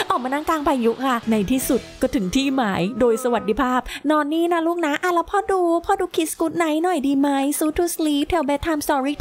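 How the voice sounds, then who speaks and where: A woman's voice: extremely high pitch, a little hiss or hum. A woman giving chatty, playful game commentary, talking to her viewers and to the characters on screen. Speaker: gameplay commentator.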